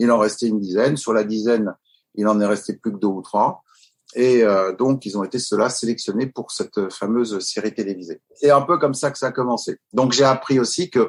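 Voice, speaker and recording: Talking at a moderate pace, a man uses a medium pitch with ordinary pitch variation. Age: 60s. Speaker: stuntman and stunt school founder. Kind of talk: interview storytelling. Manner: hesitant with many fillers.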